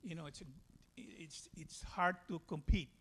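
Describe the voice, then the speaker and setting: A man from the Philippines with a Filipino accent, giving a personal church testimony in a halting way. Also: on the high side, fairly bright tone, slightly rough.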